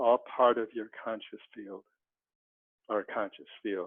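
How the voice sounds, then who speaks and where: Speaking very slowly, a man holds a medium pitch. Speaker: film scholar. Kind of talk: guided meditation; casual chat. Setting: video call. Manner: halting.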